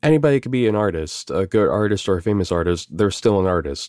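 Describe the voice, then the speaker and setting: A man's fairly low voice with ordinary pitch variation, dry and close with no echo, on a very clean recording with a silent background. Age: 20s. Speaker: voice actor. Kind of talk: interview answers, casual. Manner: halting, with filler words.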